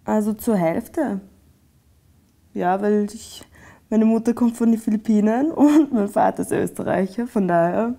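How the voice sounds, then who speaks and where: A woman's voice: mid-range voice, a little slow, vocal fry, warm tone. A young woman, answering questions in casual interview talk. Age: young adult. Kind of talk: casual chat.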